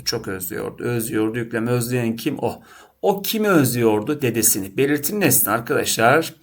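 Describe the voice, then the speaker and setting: A man teaching a lesson, working through test questions by asking and answering them himself and often addressing his students. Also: mid-range voice. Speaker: Turkish teacher.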